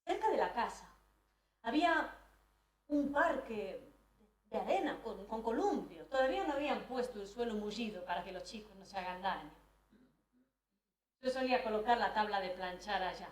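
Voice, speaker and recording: A woman's voice: mid-range voice, expressive, moderate pace, pauses often, distant mic. A woman performing a first-person dramatic monologue, hesitant, with frequent restarts. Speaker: storyteller. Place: live event hall. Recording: roomy hall, voice from afar.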